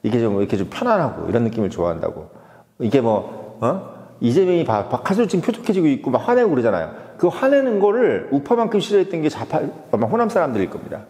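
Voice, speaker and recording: Fast, lively man in a reverberant room. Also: mid-range voice. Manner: animated, with rhetorical "huh?" asides and repeated words. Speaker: political YouTube commentator. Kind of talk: casual political commentary monologue.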